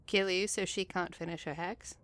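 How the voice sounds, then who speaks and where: A woman's voice: lowish voice, fairly even intonation, normal speed, a bit bright, lightly acted. A woman playing a cold, sardonic, ruthless schemer in an audio drama, with a smug, mocking manner. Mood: dry. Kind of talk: audio drama comedy acting.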